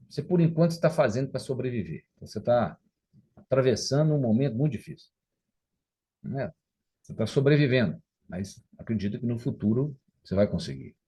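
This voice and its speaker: A man's voice: mid-range voice, mellow, husky. A middle-aged man giving a motivational lecture in a conversational way, often ending his points with rhetorical questions. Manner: conversational, tags sentences with rhetorical "né?".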